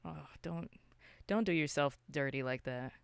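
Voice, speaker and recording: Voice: medium pitch, unhurried, gravelly, clear, resonant tone, no echo, studio quality. A podcast co-host from Canada chatting casually about movies in an opinionated, slangy way.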